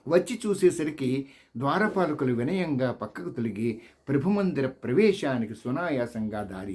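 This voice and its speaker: A man reading sacred Hindu tales as scripted narration, in a measured, expressive manner. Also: mid-range voice. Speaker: audiobook reader.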